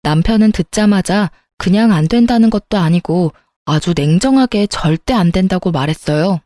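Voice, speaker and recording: A woman narrating a family story in a steady storytelling manner, reading the dialogue aloud. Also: fairly low pitch, moderate pace, no room sound, studio quality.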